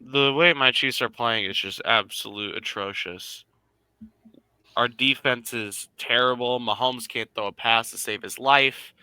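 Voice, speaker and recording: A man's voice: mid-range voice, unhurried, bright, forceful tone, smooth, no room sound, low-quality recording. A young man co-hosting a sports show who chats casually and gripes bluntly about his team. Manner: blunt, joking fan griping.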